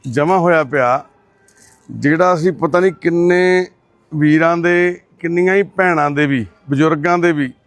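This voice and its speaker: A man with a Punjabi accent who works at a care shelter speaks softly and patiently. He coaxes another man again and again, calls him brother, and sometimes turns to the camera to explain. His voice sits a little higher than most men's. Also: dry recording. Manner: gentle, repetitive coaxing, calling the man brother. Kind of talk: coaxing talk and narration to camera.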